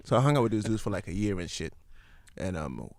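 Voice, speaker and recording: A man with a New York accent and a low, quiet voice, chatting on a podcast in a mumbling, slangy, laid-back way. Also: big pitch swings, fast, gravelly, dry recording. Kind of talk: casual podcast chat.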